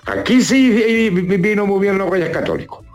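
Guy with a high voice, ranting casually, keeps asking rhetorical questions, faint music. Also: sing-song, moderate pace. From La Mancha, Spain. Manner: rambling, colloquial, repeats rhetorical questions. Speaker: regular radio contributor nicknamed as a judge. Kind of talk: comic grumbling chat.

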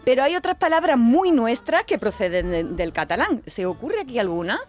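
A woman's voice: fairly high pitch, fairly quick, soft background music. A woman with an Andalusian accent, chatting on the radio as a language contributor, explaining word origins with frequent laughter. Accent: Andalusian Spanish. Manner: lively explainer, laughs often. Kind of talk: casual radio chat.

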